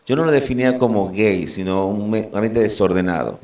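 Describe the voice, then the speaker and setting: A man from Venezuela giving an earnest, halting personal testimony as a guest. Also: lowish voice, a little mellow, distant mic.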